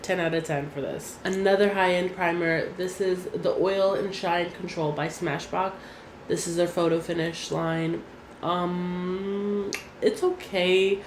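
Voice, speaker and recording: A woman's voice: lowish voice, darkish tone. A young woman with a stuffy, nasal voice from a cold, chatting casually as a beauty vlogger and often saying "like". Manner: chatty, frequent "like" fillers. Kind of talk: casual chat. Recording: echoey room, faint room hum.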